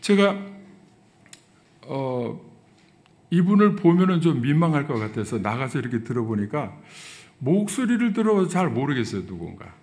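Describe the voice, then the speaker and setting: A middle-aged man, a pastor, preaching a sermon and telling a story, his voice swinging from soft to loud. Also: mid-range voice, very animated, moderate pace, pauses often.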